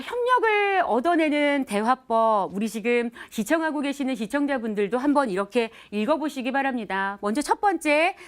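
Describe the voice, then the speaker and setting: A woman giving a televised lecture on communication, with a lively, sing-song delivery and acted example phrases. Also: fairly high pitch. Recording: TV studio lecture.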